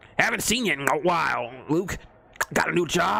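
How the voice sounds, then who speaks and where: A man puts on a raspy character voice with a high pitch and very wide pitch swings. He keeps a moderate pace. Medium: read story. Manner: chummy, salesy.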